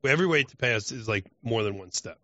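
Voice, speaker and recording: A man's voice: medium pitch, lively intonation, fast talker, pushed and bright, no echo. A man co-hosting a podcast in casual chat, blunt and profane. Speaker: podcast co-host. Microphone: close podcast microphone, often spoken into off-axis. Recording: dull close-miked podcast audio.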